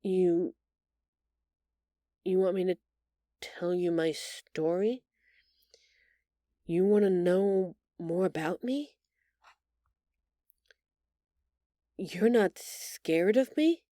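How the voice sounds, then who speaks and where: An actress plays a timid, tender alien woman in a science fiction audio roleplay. Her voice sits a little low and moves slowly, with halting, earnest phrasing. The sound is very dry and intimate. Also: dark tone, no echo. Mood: shy, astonished. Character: gentle, timid bioluminescent alien woman, shapeshifter in human exile.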